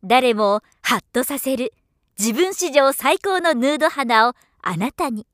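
A woman giving scripted narration as a professional voiceover artist, with a measured, polished delivery. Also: high-pitched, lively intonation, fairly bright tone, no room sound, clean studio sound.

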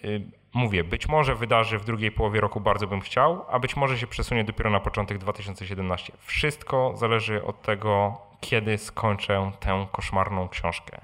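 At a live personal finance Q&A, the host answers audience questions in an informal way, often repeating words and adding short tag questions. His voice is on the low side and fairly bright, with fairly even intonation and a normal speed.

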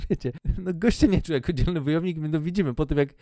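A man's voice: on the high side, brisk, warm tone, no room sound, studio quality. A man giving a casual, joking Bible teaching, retelling the story in colloquial storyteller style.

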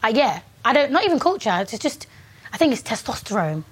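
A woman's voice: a little high, sing-song, fairly quick, breathy edge. A confident young woman speaking forthrightly as a guest in a casual interview. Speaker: guest, agency founder. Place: Dubai.

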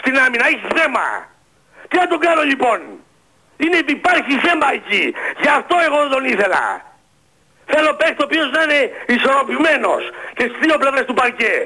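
A man playing a loud, know-it-all basketball fan in a radio comedy sketch, ranting and tripping over his words. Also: very high-pitched, expressive, exaggerated voice, rough recording. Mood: lecturing.

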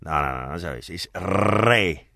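A man's voice: low voice, expressive, moderate pace, fairly bright tone, no room sound, studio quality. A man with an Argentine Rioplatense accent performing a comedy sketch, correcting pronunciation in a fussy, exasperated way. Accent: Argentine Rioplatense Spanish.

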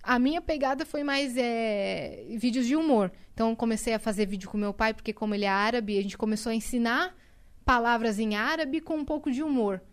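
A young woman guest on a podcast in a studio, telling lively stories and laughing often. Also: on the high side, fairly quick, clean tone. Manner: lively storyteller, laughs a lot. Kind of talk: casual podcast chat.

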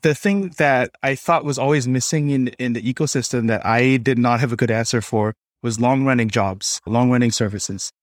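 A man's voice: medium pitch, moderate pace, few pauses, no echo. Man with a dry, close-sounding voice. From Singapore. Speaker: podcast guest, developer experience lead. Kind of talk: conversational interview, explaining tech.

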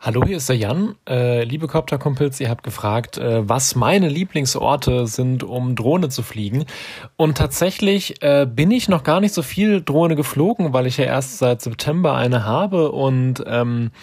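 Male podcast contributor, medium pitch, informal voice-message delivery, very dry recording. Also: a little slow, darkish tone, husky, dry recording. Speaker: listener sending a voice message.

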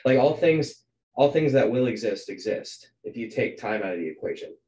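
A man's voice: mid-range voice, expressive, normal speed, warm tone. A man in his twenties hosting a podcast, musing aloud in a hesitant, filler-heavy way. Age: 20s. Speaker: podcast host. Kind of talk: casual podcast conversation.

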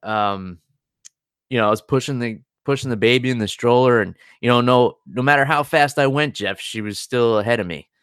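A man's voice: medium pitch, normal speed, fairly bright tone, clear, resonant tone, no room sound, studio quality. A young man hosting a podcast, chatting casually with a rambling, self-deprecating manner. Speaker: podcast host.

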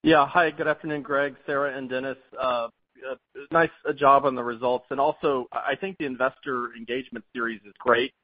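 Male analyst caller, thin telephone sound, dry, chatty and rambling, mid pitch. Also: steady tone, a little fast, dry recording. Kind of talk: informal question on an earnings call. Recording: thin phone line, very dry.

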